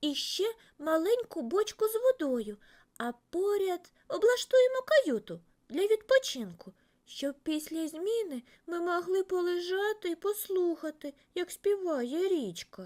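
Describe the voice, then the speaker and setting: This woman puts on a character voice pitched extremely high. Her pace is fairly slow. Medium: read story. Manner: enthusiastic, admiring.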